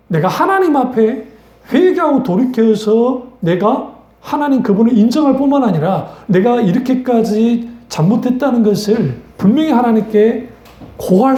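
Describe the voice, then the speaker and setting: A woman's voice: a little high, warm tone, roomy sound. A woman pastor preaching a sermon in a blunt, conversational way, asking her congregation rhetorical questions. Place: church sanctuary.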